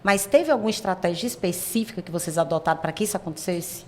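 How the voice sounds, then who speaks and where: Female interviewer, mid-pitched, inquisitive, slight background hum. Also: fast talker, warm tone. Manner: probing questions, rephrases as she goes. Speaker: interviewer, host. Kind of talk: business interview.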